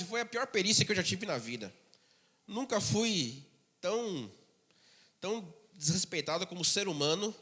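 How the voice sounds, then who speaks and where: Male pastor, sermon, high and bright tone, conversational storyteller, reverberant hall. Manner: conversational storytelling, drops to a low murmur for asides.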